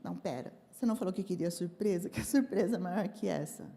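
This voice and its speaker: A woman's voice: on the low side, lively intonation, fast talker, vocal fry, dark tone, pitched below the performer's own voice. A woman acting out a patient friend who asks reasonable, probing questions, in an echoey lecture hall.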